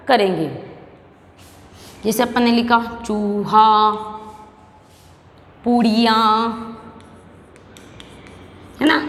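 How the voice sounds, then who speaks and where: Echoey Hindi teacher drilling her pupils. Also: fairly high pitch. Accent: Rajasthani Hindi. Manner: asks questions and answers them herself, repeats words slowly. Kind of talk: classroom lesson for young pupils. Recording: echoey room with long reverb.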